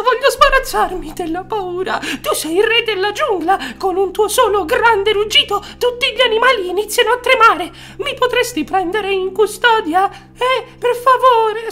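A woman playing a tiny, timid mouse in a cartoon fairy tale, squeaky, anxious and pleading. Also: a bit bright. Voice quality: squeaky, small.

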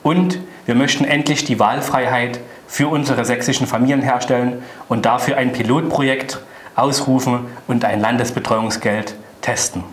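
A man's voice: medium pitch, steady tone, normal speed. Emphatic man in an echoey room. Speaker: political party spokesman and presenter. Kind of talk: political presentation to camera.

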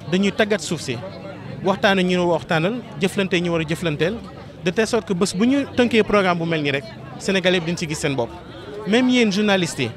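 A middle-aged Senegalese man, a real estate promoter, speaking earnestly to journalists at a crowded outdoor event, repeating his pitch. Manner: earnest, repetitive promotional speech mixing Wolof and French. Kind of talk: press statement to journalists. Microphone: several press microphones held close. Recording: noisy crowd around interview. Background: crowd chatter.

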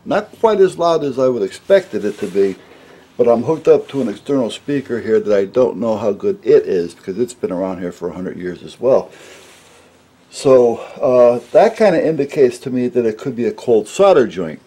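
A man's voice: medium pitch, expressive, moderate pace, warm tone, breathy edge. A middle-aged man giving a casual, unscripted repair walkthrough at a workbench, rambling and explaining things matter-of-factly. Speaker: hobbyist radio repairer, presenter. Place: indoors at a workbench.

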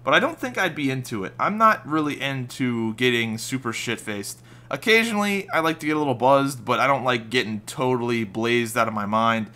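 A young man talking over game footage, voice a bit raspy since he just woke up. His tone is bright and forward, and he rambles in a loose, casual way, full of fillers and restarts. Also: medium pitch, lively intonation, fairly quick, few pauses. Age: young adult. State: slightly raspy from just waking up. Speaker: gaming YouTuber. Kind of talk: casual voice-over commentary over gameplay.

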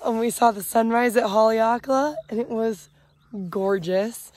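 Hoarse chatty young woman vlogging. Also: a little high, unhurried, darkish tone. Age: young adult. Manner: chatty, laughs often. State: hoarse, lost voice. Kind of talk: casual travel vlog. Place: outdoors on a mountainside and beach. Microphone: phone at arm's length.

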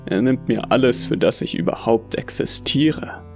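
A male actor narrates as a bitter, deluded Santa in a horror story. His mid-pitched voice is gravelly and brooding, full of contempt, with music underneath. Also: animated, normal speed. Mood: bitter, contemptuous. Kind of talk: dramatic first-person horror narration. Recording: music behind the voice.

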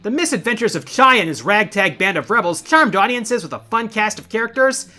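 With music underneath, this middle-aged countdown host reads his scripted gaming narration like a playful, emphatic showman. He speaks a little fast in a high, pushed, bright voice full of lively intonation.

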